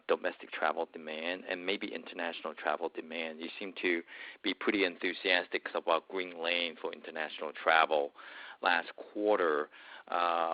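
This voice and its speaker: A man's voice: low-pitched, no room sound. A man working as a financial analyst, asking questions on an earnings call. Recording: dry, narrow phone line.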